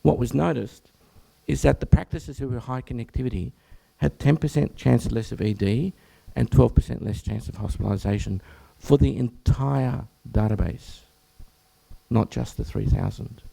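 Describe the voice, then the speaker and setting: An Australian man, a general practitioner, presenting to health professionals at an information session, with a croaky, hoarse voice; he clears his throat often and breaks off to restart phrases. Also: medium pitch, moderate pace, mellow, rough recording. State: hoarse, croaky from much talking.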